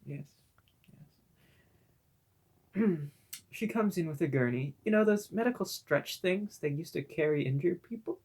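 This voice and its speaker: Man, mock-spooky creepypasta reader, very slow, gravelly, sarcastic asides. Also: fairly high pitch, lively intonation, a little mellow. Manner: sarcastic asides mid-reading; deliberately drawn-out spooky delivery. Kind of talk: mock-spooky comedic story reading.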